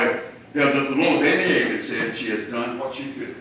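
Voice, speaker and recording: A man speaks in a room with strong echo. His intonation is lively. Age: 70s. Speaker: pastor. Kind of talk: sermon. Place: church.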